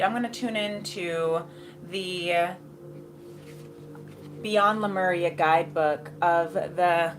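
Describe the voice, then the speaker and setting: Slow, gentle mystical woman healer over music. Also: medium pitch. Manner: gentle, unhurried, mystical healer delivery with long pauses. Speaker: spiritual livestream host. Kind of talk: slow guided spiritual meditation talk and card reading. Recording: music playing behind the voice.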